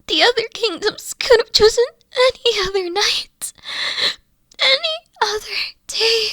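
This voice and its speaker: A woman playing a mature-seeming young queen in a roleplay audio drama, tender and teasing, soft-spoken and often slipping into breathy whispers. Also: very high voice, a little slow, no echo, heavily acted. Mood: tearful, grieving. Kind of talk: scripted roleplay audio drama, intimate one-on-one.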